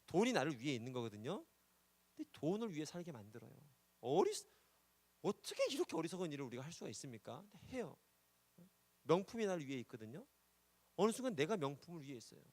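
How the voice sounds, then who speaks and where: A man's voice: on the high side, a little mellow, no echo. A male pastor preaching a sermon, telling a story and repeating key words for emphasis, often checking in with the congregation. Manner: prompts the congregation with "예?".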